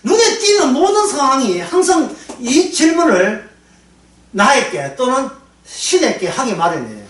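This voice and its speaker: Lively male pastor, casual lecture-sermon delivery, recorded off-mic in a roomy space. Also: very high voice, unhurried. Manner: lively, conversational, laughing often, acting out prayers. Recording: echoey room, voice from far off the mic.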